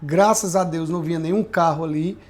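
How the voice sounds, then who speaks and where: A man's voice: a little high, fairly quick, a little mellow. A pastor, earnestly telling his life testimony in a podcast conversation, often checking in with tag questions. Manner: earnest, reflective storytelling with frequent tag questions.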